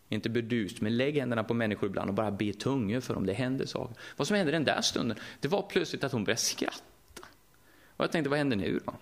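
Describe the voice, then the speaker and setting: A middle-aged Swedish man with a Västergötland accent, preaching a lively, conversational sermon and often asking the audience questions. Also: mid-range voice, vocal fry. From Sweden, Västergötland.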